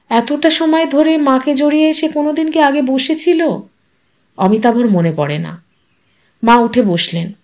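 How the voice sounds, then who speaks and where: Woman reading out a short story, takes it real slow, kinda high voice, measured and expressive. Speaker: audio story narrator. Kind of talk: scripted literary story narration.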